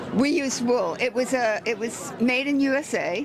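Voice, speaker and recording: High-pitched woman at a fairly slow pace, with audible room echo and crowd noise in the background. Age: 70s. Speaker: festival visitor, knitter. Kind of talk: casual interview.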